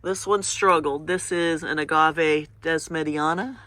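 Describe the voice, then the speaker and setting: A woman's voice: low voice, steady tone, unhurried, fairly bright tone, no echo. A woman with a congested, sniffly voice chatting casually as she walks through her garden in the morning, pointing things out in a meandering way. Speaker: garden vlogger. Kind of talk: casual walk-through commentary. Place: outdoor home garden in early morning.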